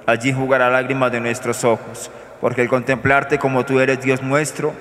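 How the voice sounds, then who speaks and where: Give me a priest, speaking in a monotone as he prays through the Mass in a reverberant church. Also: medium pitch. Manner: measured, solemn liturgical recitation. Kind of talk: celebrating Mass, praying aloud. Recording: echoey church with long reverb.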